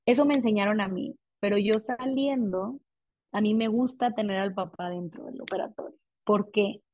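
A woman in her thirties with a Mexican accent, speaking as a pediatric dentist in a relaxed interview. She chats freely and slips into the voices of parents and kids. The sound is dry and a bit dull. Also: mid-range voice, moderate pace, no echo. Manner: chatty, animated, acts out parents and children. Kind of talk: casual interview.

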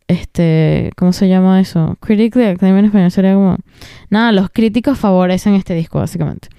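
A young woman hosting a chatty podcast, her voice warm and smooth. She talks with emphasis and slang, tossing in English phrases. The recording is dry and close. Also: mid-range voice, no room sound. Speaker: podcast host. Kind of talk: casual podcast commentary.

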